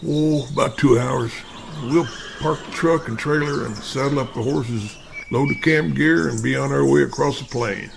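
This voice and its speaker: A man's voice: medium pitch, moderate pace, creaky, noisy background. An actor playing a practical, seasoned outdoorsman in an audio drama, terse and matter-of-fact. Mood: practical, relaxed. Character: seasoned outdoorsman father-in-law, gruff and practical.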